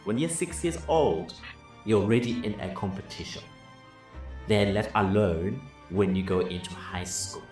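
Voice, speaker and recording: A man's voice: lowish voice, measured pace. A man from Zimbabwe, a business and leadership coach, telling his own life story in an earnest, reflective way. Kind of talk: personal story told over music. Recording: roomy, somewhat distant mic with soft music. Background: soft violin music.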